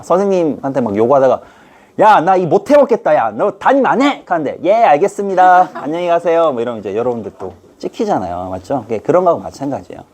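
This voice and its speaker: Playful husky man teaching history. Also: medium pitch, a little mellow. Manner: playful, acts out scenes in quick put-on voices. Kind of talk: lively online history lesson.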